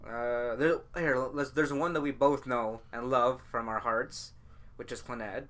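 A man's voice: mid-range voice, fairly even intonation, unhurried, a bit bright. A young man chatting casually about anime, explaining in a rambling, repetitive way. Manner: rambling, repeats phrases while explaining.

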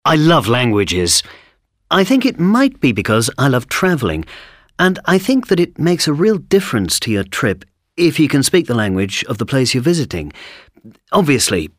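A man talks with eager enthusiasm, his pitch rising and falling a lot. His voice sits in a middle register. The recording is dry, with no room sound. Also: dry recording. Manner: enthusiastic, fluent. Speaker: speaker in a listening exercise. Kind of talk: scripted monologue.

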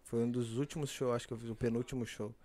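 A man's voice: mid-range voice, quick pace. Young gaúcho male guest, southern Brazilian accent, laid-back slangy chat. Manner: relaxed storytelling with slang. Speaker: funk MC guest. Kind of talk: casual chat.

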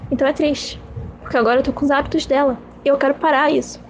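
A woman's voice: sits high, fairly even intonation, fast talker, lo-fi sound, slight background noise. A young woman hosting her own podcast, musing and rambling in a self-mocking, repetitive way. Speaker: podcast host. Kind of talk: casual rambling monologue.

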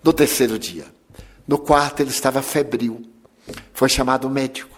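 A man telling a story in an expressive, theatrical way, acting out the characters. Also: mid-range voice, normal speed. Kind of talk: dramatic storytelling.

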